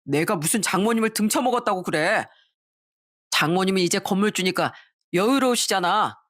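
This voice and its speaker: A woman voicing an angry young husband who argues defensively and shouts back in a storybook drama. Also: medium pitch, brisk, no echo, studio quality, close to an everyday voice. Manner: shouting, indignant.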